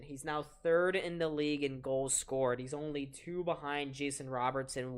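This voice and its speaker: Soft-voiced teen man calling hockey. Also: fairly high pitch, smooth. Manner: chatty, reads chat aloud and talks to viewers between plays. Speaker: play-by-play commentator and stream host. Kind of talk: live-stream hockey play-by-play, casual.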